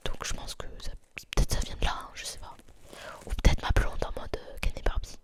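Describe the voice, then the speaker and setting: A woman from France, whispering a chatty ASMR vlog outdoors in the freezing cold. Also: fairly quick. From southern France. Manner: whispering throughout, chatty and self-deprecating. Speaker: vlogger.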